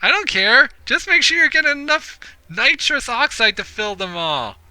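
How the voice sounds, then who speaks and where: A man's voice: extremely high pitch, sing-song, moderate pace, bright, forceful tone, clean tone, no echo, voice pushed up, full character voice. A man doing a slangy party-girl ghost. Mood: laid-back. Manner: slangy, careless and sly. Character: laid-back party-girl ghost, young woman.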